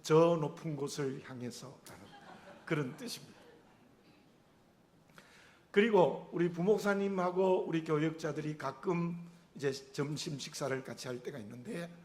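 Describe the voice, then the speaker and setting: High-voiced Korean pastor preaching. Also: male voice. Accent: Korean regional dialect intonation. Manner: earnest, measured preaching with rhetorical questions. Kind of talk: sermon.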